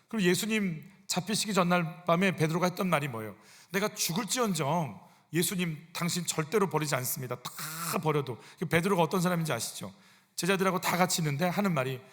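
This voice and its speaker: A senior pastor with a fairly bright, somewhat high voice preaches a conversational sermon in a church sanctuary. He asks his congregation frequent rhetorical questions, and a long church hall reverb surrounds his voice.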